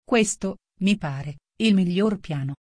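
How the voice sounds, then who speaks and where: A woman's voice: on the low side, lively intonation, slow pace, a little mellow, breathy edge, dry recording, studio quality, heavily acted. A woman voicing a curious, determined young girl who thinks aloud to herself in a storybook. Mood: musing.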